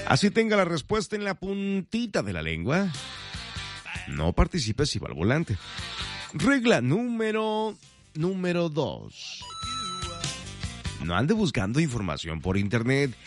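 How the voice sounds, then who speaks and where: A man hosts a morning radio trivia show, chatting playfully and speaking directly to his listeners. His voice rises and falls widely as he teases the answer. Music plays clearly underneath him. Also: a little high, big pitch swings, slow, long pauses. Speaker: radio host.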